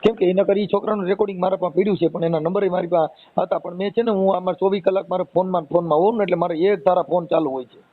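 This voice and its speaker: A man's voice: high-pitched, fairly even intonation, rapid-fire. A man with a Kathiawadi Gujarati accent explaining things in a conciliatory way in an informal phone conversation. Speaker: host taking calls for a recorded-call channel. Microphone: phone line. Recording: muffled lo-fi phone call.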